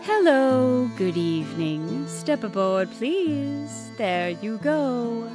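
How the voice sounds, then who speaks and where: A woman's voice: a little high, big pitch swings, extremely slow, over music, pitched above the performer's own voice, full character voice. A woman voicing a polite, evasive female moose conductor with rehearsed formal courtesy in a children's bedtime story. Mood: courteous, routine.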